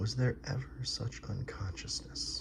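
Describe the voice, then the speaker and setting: A soft-spoken man at a moderate pace, his pitch swinging very widely, with noticeable background noise. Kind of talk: ASMR audiobook reading of a classic novel. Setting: some ambient background noise.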